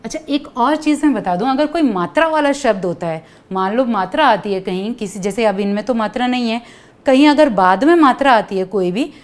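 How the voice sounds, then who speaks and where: A woman teacher giving a patient grammar lesson to children, repeating words slowly and asking them to say them with her. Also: a little high, expressive.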